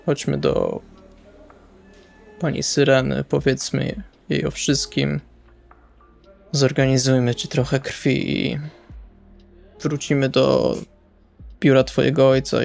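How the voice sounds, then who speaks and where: A man playing a brooding, fatalistic male vampire in a role-playing audio drama, with a resigned, deliberate way of talking. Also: mid-range voice, level tone, gravelly, darkish tone, soft background music. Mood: matter-of-fact. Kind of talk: in-character role-play dialogue.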